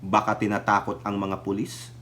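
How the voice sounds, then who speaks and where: A man's voice: fairly low pitch, completely flat delivery, moderate pace, a bit bright. A man giving casual political commentary on his vlog, sarcastic and mocking, laughing often and talking straight to his viewers. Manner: addresses viewers directly. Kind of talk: casual commentary reading and reacting to news.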